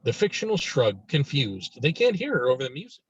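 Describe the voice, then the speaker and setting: A man narrating stage directions in a lively way at a screenplay table read. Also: medium pitch, brisk, slightly rough. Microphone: video call. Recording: dull lo-fi video call audio.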